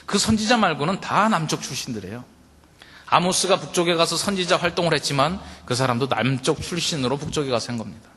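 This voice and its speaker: A man's voice: fairly high pitch, a bit bright, slightly rough. Man preaching in a reverberant hall. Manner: conversational preaching, addresses the congregation directly with rhetorical questions. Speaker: pastor. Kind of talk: sermon.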